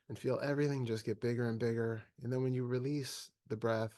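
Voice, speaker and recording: A man leading a guided meditation as a teacher, speaking calmly and in measured phrases with long pauses. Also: medium pitch, no room sound, clean studio sound.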